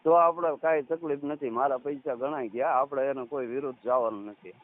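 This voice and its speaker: A man in his thirties with a Saurashtra Gujarati accent, talking casually as a caller in halting, repeated short phrases. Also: mid-range voice. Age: 30s. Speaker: caller, farmer. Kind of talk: casual phone conversation. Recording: tinny, narrowband phone call recording.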